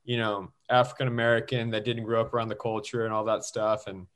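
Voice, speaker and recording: A man's voice: fairly low pitch, flat delivery, fast, fairly bright tone, smooth. Earnest male co-host from California. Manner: earnest, thinking aloud with many fillers. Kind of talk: casual sports talk.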